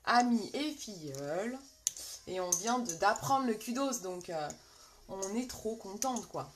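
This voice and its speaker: A woman's voice: mid-range voice, lively intonation, a little slow, noisy background. A woman with a French accent hosting a casual live makeup tutorial from her bedroom, chatting and greeting viewers by name with many fillers. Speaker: makeup seller and live host.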